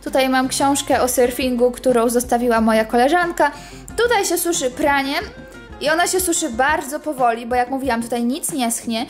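A woman's voice: sits high, moderate pace, faint music behind. A woman in her twenties chatting casually as she walks a camera around her small apartment, pointing things out. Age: 20s. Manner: chatty, walking and pointing at things while talking. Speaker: vlogger. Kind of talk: casual house tour vlog. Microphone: handheld camera at arm's length.

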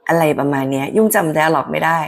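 A woman's voice: deep voice, flat delivery, fast, creaky. A woman voice actor talking casually and politely to the camera about her dubbing work. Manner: friendly, chatty, polite.

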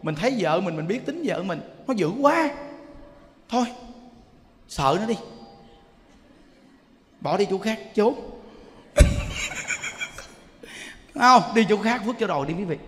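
A high-pitched man preaching a sermon in a folksy, animated storytelling manner. His voice rings out with a long reverb, as if he is speaking in a temple hall. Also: slow, long pauses. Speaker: monk.

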